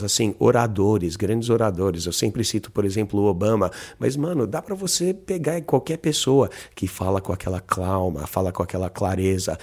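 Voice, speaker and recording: A young man with a Brazilian Portuguese accent co-hosting a casual podcast, animated and slangy, sometimes slowing into a calm low voice. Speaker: podcast co-host.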